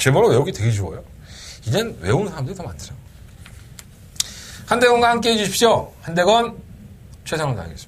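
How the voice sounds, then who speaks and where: A man's very fast, high-pitched speech with very wide pitch swings, big swings in loudness, long and frequent pauses, and noticeable background noise. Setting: radio broadcast. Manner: radio-host style promotion.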